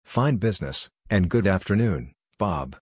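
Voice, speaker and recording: A man with a low, deep voice reads brief phrases for a code lesson, each a separate burst, often repeated. The sound is dry and close, with no room around it. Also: lively intonation, measured pace, breathy edge, no room sound. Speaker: Morse code practice reader. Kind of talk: slow scripted reading of phrases.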